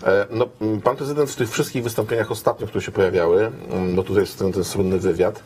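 Mężczyzna po pięćdziesiątce, niski głos, z wahaniem. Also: male voice, fairly low pitch, fairly even intonation, quick pace, a little mellow, a little hiss or hum. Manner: hesitant, many fillers, wry. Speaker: image expert guest. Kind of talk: studio interview. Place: TV news studio. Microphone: lapel mic.

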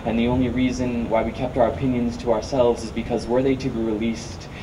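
A man's voice: mid-range voice, flat delivery, a little fast. A teenage boy performing rhythmic, wordplay-heavy spoken word poetry at a podium during a large outdoor rally. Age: teens. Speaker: student performer. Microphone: podium mic, picked up from a distance. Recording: distant mic, noisy outdoor sound.

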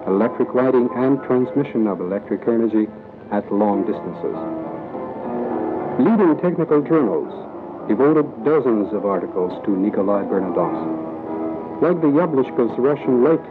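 A man narrating a documentary script in a measured, even reading. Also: medium pitch. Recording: tinny lo-fi audio with music underneath. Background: music bed.

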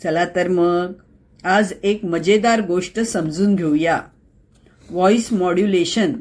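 Slow, expressive woman presenter. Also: on the low side. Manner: expressive, theatrical, emphatic, with rhetorical questions. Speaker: host and presenter. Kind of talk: conversational scripted explainer on voice skills.

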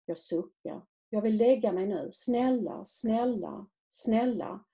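A woman author reading aloud from her own novel in a measured, quiet literary manner. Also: medium pitch.

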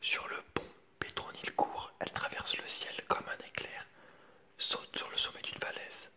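A man reads a children's picture book aloud in a hushed, unvoiced library whisper, ASMR style, adding informal asides to viewers. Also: normal speed.

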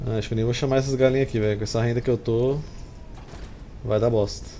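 Brazilian man, mellow game commentary over noise. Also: mid-range voice, steady tone, quick pace. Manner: informal, slangy. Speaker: gameplay streamer. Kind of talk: casual strategy game commentary. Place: small room indoors. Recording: clear background noise. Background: game sounds and ambience.

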